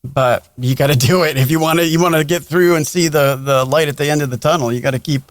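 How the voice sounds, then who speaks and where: A man's voice: fairly high pitch, quick pace, no room sound, faint music behind. A man co-hosting a casual podcast, asking questions in an encouraging way. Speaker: podcast co-host.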